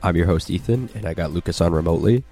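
A man's voice: low voice, quick pace, warm tone, soft background music. A man hosting a casual sports chat, sounding stuffy as he gets over a sickness. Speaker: podcast host.

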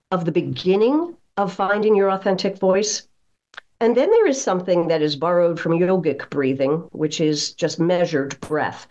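Low-voiced woman coaching, slightly muffled audio. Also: darkish tone. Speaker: voice coach, guest. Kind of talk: explanatory interview talk.

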